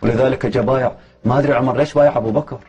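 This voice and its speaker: A man's voice: mid-range voice, fairly even intonation, very fast, darkish tone, breathy edge, muffled recording. A man giving a heated, argumentative religious lecture, pressing his points with emphatic challenges.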